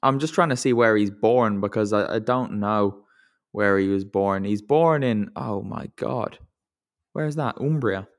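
Podcast host, male, low-pitched, rambling, self-deprecating. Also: a little slow. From English-speaking country. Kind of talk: casual football podcast chat. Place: lives in Italy.

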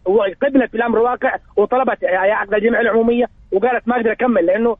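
A man's voice: very high voice, fairly even intonation, very fast, crowd noise. A man calling in to a radio show, heard over a phone line, talking in an emphatic, insistent way. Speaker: caller. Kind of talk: radio call-in.

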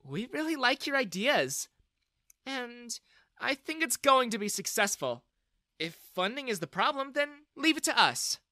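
An earnest young woman speaks up high and lively, as a narrator voices her. Her tone is bright and close, with much rise and fall. It is a storybook voice in a dry room. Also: a little slow, no room sound. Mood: eager.

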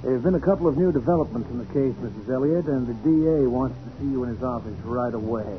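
A man acts as a glib gangster posing as an official in old radio drama. His voice is medium in pitch. The recording sounds muffled. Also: quick pace, background noise, natural voice. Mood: falsely reassuring. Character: smooth-talking male gangster posing as official. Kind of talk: 1940s radio crime drama acting.

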